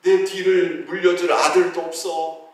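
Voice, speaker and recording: A man preaching a lively sermon with a high voice. He asks questions of the congregation and answers them, and he briefly voices the figures of a Bible story. He is recorded from a distance in a church hall with heavy echo. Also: a little slow. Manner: acts out the voices of biblical figures in dialogue. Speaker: pastor. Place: church sanctuary. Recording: very echoey hall, heard from a distance.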